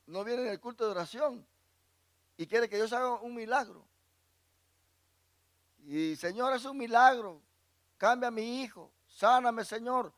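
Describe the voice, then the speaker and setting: Lively high-voiced man preaching a sermon. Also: dry recording. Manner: preaching with sudden loud high bursts and quiet low asides; calls the listeners brother and asks them questions. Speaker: pastor.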